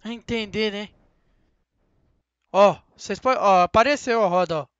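A young man with a Brazilian Portuguese accent giving chatty, excitable commentary on a driving game straight to his viewers. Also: high-pitched, moderate pace, clean tone, no room sound, lo-fi sound. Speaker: gaming channel host. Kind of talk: casual gameplay commentary.

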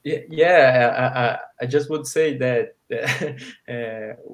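A man on a video call making a halting comment, repeating words as he searches for them. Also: medium pitch. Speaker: co-host of an English learners' club.

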